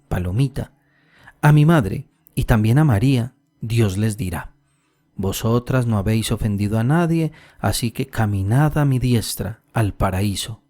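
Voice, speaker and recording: A man's voice: mid-range voice, mellow, lightly acted. A man voicing a pious little peasant girl who earnestly tells another child about God, angels and the end of the world. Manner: storytelling, mimics her mother tenderly.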